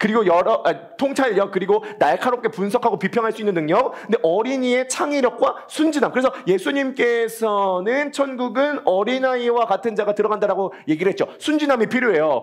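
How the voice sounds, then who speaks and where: An animated man talks at a fairly quick pace with an extremely high pitch and lively intonation. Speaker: preacher. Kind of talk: sermon. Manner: fast.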